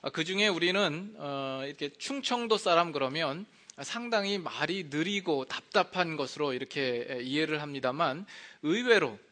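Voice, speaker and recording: Man, pastor, sermon in a church, bright tense voice, loose conversational delivery, many filler pauses. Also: fairly high pitch, lively intonation. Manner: conversational, frequent hesitation fillers. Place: church sanctuary.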